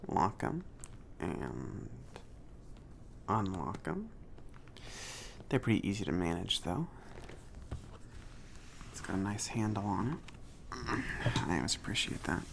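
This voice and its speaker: A man playing a friendly, awkward mage shopkeeper in an ASMR roleplay, speaking softly and haltingly, often near a whisper. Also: fairly low pitch, creaky, slight background noise, full character voice. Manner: hesitant, halting, casual.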